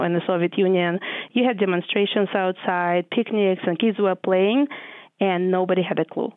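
A woman's voice: on the low side, dry recording. Belarusian-accented woman on a muffled line. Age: 40s. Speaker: interview guest, physician. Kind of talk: conversational radio interview, recounting memories.

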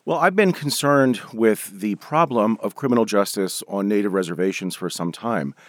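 A man from Denver, an author and professor, giving measured, explanatory answers in a radio interview. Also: lowish voice, no echo, clean studio sound. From Denver, USA.

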